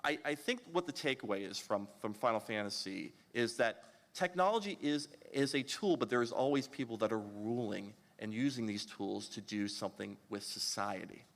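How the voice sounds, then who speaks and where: A man's voice: lowish voice, animated, normal speed, hardly any pauses. A man giving a panel presentation at a convention, lecturing with frequent fillers and restarts. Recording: long hall reverb.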